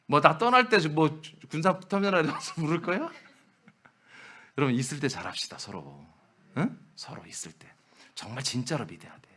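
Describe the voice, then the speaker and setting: Male pastor, lively and emphatic sermon delivery, swings his pitch widely. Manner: emphatic, talks straight to the congregation. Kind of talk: lively preaching to a congregation.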